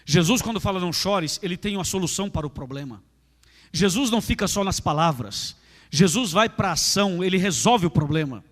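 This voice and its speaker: Brazilian pastor guy preaching hard, high voice, echoey big church hall. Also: animated, fairly quick, a bit bright. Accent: Brazilian Portuguese. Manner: emphatic, repetitive preaching, addresses listeners directly. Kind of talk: sermon. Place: large church with a gallery.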